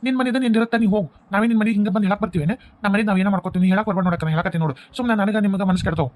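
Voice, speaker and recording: Brief: curt village son, put on by a woman, North Karnataka accent, fast and low, for a cartoon. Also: darkish tone, close to an everyday voice. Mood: dismissive. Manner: curt, dismissive. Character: gruff adult village son, dismissive.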